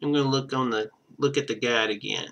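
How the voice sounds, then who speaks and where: A man doing casual game stream commentary, thinking out loud and reading text from the screen. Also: medium pitch, fairly quick, creaky, lo-fi sound. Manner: thinks out loud, muttering to himself.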